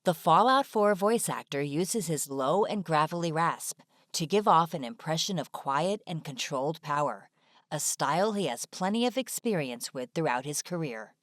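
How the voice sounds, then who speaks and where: A woman delivers scripted video narration in a fairly low voice. The sound is dry, like a studio voice-over, with no room echo. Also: animated, moderate pace.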